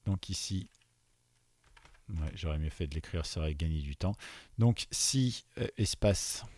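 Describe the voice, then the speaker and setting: A man teaching beginners to code, explaining each step and often checking in with his listeners, with many fillers and dropping quieter while he types. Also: low voice, lively intonation, measured pace. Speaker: programming teacher. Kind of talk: screen-recorded coding tutorial. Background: keyboard typing.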